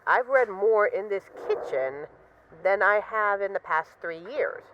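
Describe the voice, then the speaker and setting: A woman's voice: medium pitch, expressive, unhurried, dull audio, a little hiss or hum, lightly acted. A woman acting as a bored, restless mafia boss who misses a partner, talking in a wry, dramatic, rambling way in an intimate voice-message roleplay. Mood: exasperated, wry.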